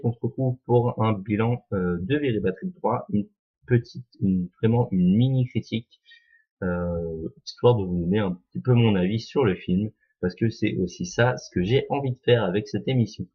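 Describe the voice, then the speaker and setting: A man with a low, husky voice, hosting a homemade film vlog. He speaks casually and stops often to hesitate. The recording sounds dull and lo-fi. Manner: hesitant, full of "euh" pauses. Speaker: vlog host.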